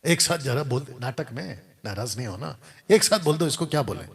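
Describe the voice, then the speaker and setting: A man's voice: medium pitch, animated, a little fast, creaky, breathy edge. A man preaching a sermon to a live congregation, scolding and firing rhetorical questions at the crowd. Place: church or meeting hall with congregation.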